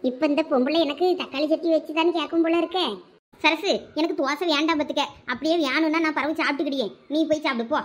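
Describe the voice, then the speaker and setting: Someone voicing a squeaky stubborn old mother-in-law. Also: steady tone, fast talker, a bit bright. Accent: Thoothukudi Tamil. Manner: stubborn, complaining. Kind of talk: cartoon voice acting.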